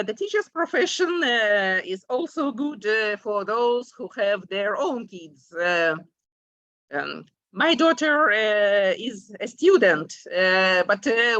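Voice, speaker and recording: A woman's voice: a little high, a bit bright, no echo, lo-fi sound. A woman in her forties from Ukraine, a native Russian speaker, giving a conference presentation in English with many hesitant "uh"s. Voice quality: frequent hesitations, many drawn-out "uh"s. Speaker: symposium presenter, English teacher.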